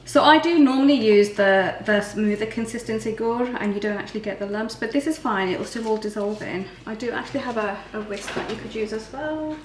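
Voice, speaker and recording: A woman's voice: a little high, a little fast, few pauses, slight background noise. A woman in her thirties demonstrating a recipe as guest cook, explaining each step in a practical, plain way. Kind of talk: casual cooking demonstration. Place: home kitchen, indoors. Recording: roomy kitchen with faint ambience.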